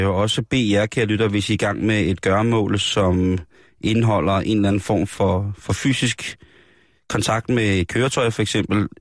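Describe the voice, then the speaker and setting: En mandlig radiovært i en komisk snak, der med gravalvorlig, tør tone læser lokale politinyheder op og ofte tøver og starter forfra. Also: male voice, lowish voice, no room sound, clean studio sound. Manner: mock-solemn, deadpan reading of news; many fillers and hesitant restarts. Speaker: radio comedy host. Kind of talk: improvised comic radio banter. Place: radio studio.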